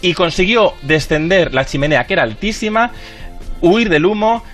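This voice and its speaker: Brief: man, radio regular, chatty and jokey, voice a bit high, faint music under it. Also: lively intonation, a bit bright. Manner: playful, chatty, quick to laugh. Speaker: TV historian, regular radio guest. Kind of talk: casual radio chat.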